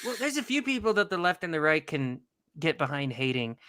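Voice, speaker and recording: A man with a nasally, drawly voice talks casually on a podcast. His tone is bright and sits a little high. He restarts his sentences and laughs easily. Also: big pitch swings, fairly quick, smooth. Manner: laughs often, hesitant restarts. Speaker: podcast co-host. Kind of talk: casual political chat.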